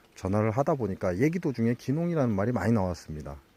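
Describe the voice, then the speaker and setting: Using very wide pitch swings, a man speaks at a fairly low pitch. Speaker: beekeeper and farming video creator. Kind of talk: casual vlog monologue. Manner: blunt, rough-spoken; direct.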